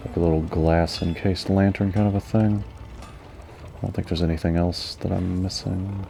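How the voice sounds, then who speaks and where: A man with a low, gravelly voice and a dark, soft tone talks through a game in an unhurried, mellow way, thinking out loud. Faint music plays behind him. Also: flat delivery. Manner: slow, mellow, musing. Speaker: gamer. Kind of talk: calm gaming commentary.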